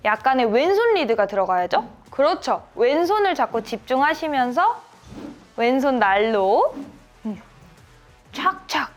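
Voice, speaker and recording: Lively high-voiced woman coaching golf. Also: measured pace, faint music behind. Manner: encouraging, punctuates swings with shouted sound cues. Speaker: golf instructor. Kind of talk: hands-on golf lesson coaching.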